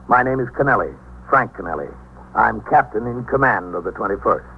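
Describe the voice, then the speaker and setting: An actor playing a calm police captain who narrates in a measured, matter-of-fact 1950s radio drama style. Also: male voice, on the low side, gravelly. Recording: tinny old radio recording with faint hiss.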